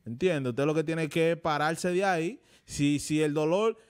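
A man's voice: a little high, a little slow, smooth. A man with a Dominican Spanish accent co-hosting a talk show, scolding and indignant in a studio debate, stumbling over his words as he tells anecdotes.

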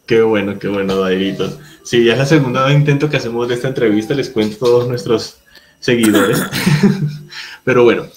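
A man's voice: medium pitch, normal speed. A young man hosting a Christian interview over a video call from a room at home, friendly and upbeat, with many filler words. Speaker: host.

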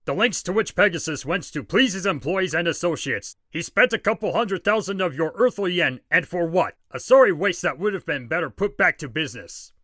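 A man's voice: sits high, expressive, fairly quick, hardly any pauses, sharp tone, dry recording, studio quality, full character voice. A man playing a stern, impatient spirit of Christmas past, scornful and curt, in a fan audio drama.

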